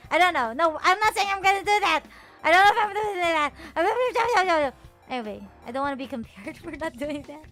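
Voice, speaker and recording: High-voiced, bubbly woman streamer. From Philippines. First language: Filipino. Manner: animated, playful and self-mocking, laughs often. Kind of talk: casual chat stream.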